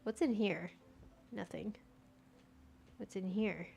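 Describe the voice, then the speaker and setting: She's a talkative young streamer from the US, a native Persian speaker, narrating her own play and chatting with viewers in a relaxed way. Her mid-range voice is creaky and a little mellow, and she takes her time.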